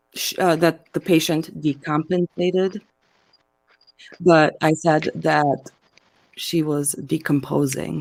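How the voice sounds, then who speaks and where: Very slow, monotone delivery with flat intonation, vocal fry, and long, frequent pauses. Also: woman, very deep, low pitch for a woman. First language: not English; English is third language. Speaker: clinical psychologist. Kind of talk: casual chat.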